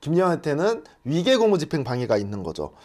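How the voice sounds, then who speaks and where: Man, 30s, court reporter, steady explanations, higher voice, lively pitch. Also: fast talker. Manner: steady, explanatory, lays out points one by one. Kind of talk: explaining a trial in casual talk.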